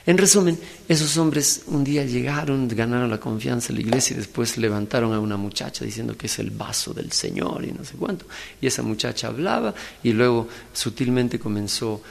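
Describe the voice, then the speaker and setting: A middle-aged man with a Peruvian Spanish accent, preaching a sermon in lively storytelling, swinging from hushed to loud. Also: mid-range voice, a little fast, vocal fry, in a large hall. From Peru. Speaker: pastor. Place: conference hall.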